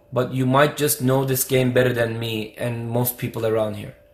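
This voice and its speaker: A man talks in a medium pitch with flat, monotone intonation. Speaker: soccer coach. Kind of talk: live-streamed coaching talk. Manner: loud.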